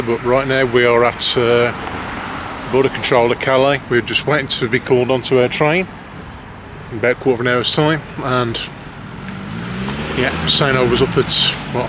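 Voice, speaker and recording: Male amateur vlogger, Black Country accent, hesitant and rambling casual delivery, mid-pitched voice over clear car noise. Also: steady tone, normal speed. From West Midlands, England. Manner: hesitant, self-conscious, rambling. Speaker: amateur vlogger, lorry driver. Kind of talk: casual vlog chat to camera. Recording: clear road and vehicle noise.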